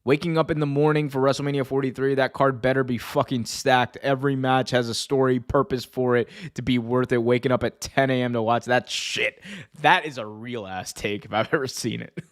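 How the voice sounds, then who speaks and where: A man's voice: mid-range voice, fairly even intonation, fairly quick. A man with a North American accent hosts a casual livestream, chatting with viewers in slangy, sweary language and often breaking into laughter. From United States. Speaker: wrestling show host and livestreamer. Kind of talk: casual livestream chat reacting to viewer comments.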